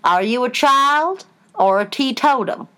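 A woman's voice: high-pitched, animated, a little slow, sharp tone, heavily acted. A woman voicing a curt, scolding old female sheep who keeps shop in a storybook. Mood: brusque. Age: older. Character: brusque old female sheep shopkeeper, knitting.

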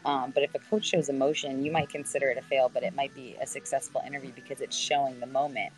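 A woman in her thirties with a naturally deep voice, a sideline reporter chatting on a video call, sprinkling her answers with ums and restarts. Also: fairly even intonation, fast, soft background music, low-quality recording. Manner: conversational, lots of fillers and restarts. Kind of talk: answering student questions on a call.

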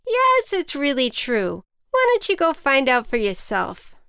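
Woman voicing a cheeky, high-voiced little storybook ant. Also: huge pitch swings, unhurried, creaky, sharp tone, dry recording, studio quality, full character voice. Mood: coaxing. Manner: chummy, coaxing, folksy. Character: small cheeky, persuasive, encouraging male ant. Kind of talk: children's storybook character voice.

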